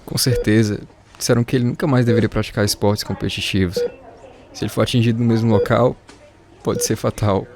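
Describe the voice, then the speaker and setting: A man's voice: lowish voice, fairly even intonation, fairly quick, background noise, close to an everyday voice. A man acting a supporting part in a radio drama. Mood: grave.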